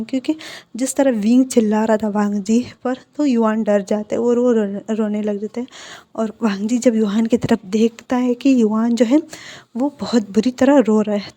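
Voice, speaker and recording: Woman narrating a story, mellow and slightly high. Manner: quick, plain retelling with small restarts. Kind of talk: reading fan fiction aloud.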